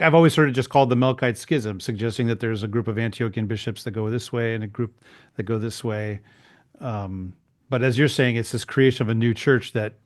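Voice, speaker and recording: A man hosts a casual podcast interview. He asks thoughtful questions and sums up his guest's points before moving on. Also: mid-range voice. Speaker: podcast host.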